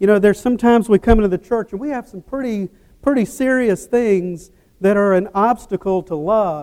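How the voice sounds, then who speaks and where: A man talks at a moderate pace with a high pitch and a dark, mellow tone. His pitch varies in an ordinary way, and the sound is dry and close with no echo. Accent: Georgia. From US South, rural Georgia. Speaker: preacher. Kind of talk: sermon. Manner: conversational.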